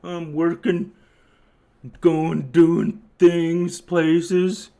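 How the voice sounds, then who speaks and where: A man's voice: fairly high pitch, little pitch movement, drawn-out words, creaky, dark tone. A man hosting a live stream, chatting to viewers in a rambling, sarcastic and profane way. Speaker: livestream host.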